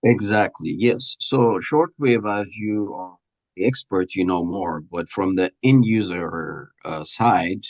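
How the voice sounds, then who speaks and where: Deep, gravelly man speaking haltingly. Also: muffled recording. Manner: halting, searching for words, many pauses. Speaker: radio station presenter and producer being interviewed. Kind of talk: interview answers, explanatory talk.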